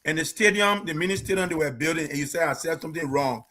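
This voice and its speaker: Pressing Liberian radio host, high voice. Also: male voice, fast, sharp tone. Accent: Liberian English. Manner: pressing, demands explanations again and again. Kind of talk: live radio call-out show.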